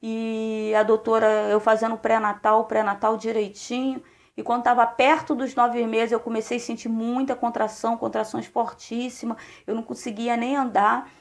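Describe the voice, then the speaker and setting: Woman pastor, gravelly voice, fairly high pitch, animated testimony. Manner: animated storytelling with acted quotes. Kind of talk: testimony sermon.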